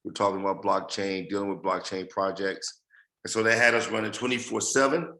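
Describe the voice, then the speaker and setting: Man with a gravelly, slightly worn voice, flat delivery, repeats phrases as he gives a team update. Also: low-pitched, brisk. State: losing his voice. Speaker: project leader giving updates. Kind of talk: casual group call update.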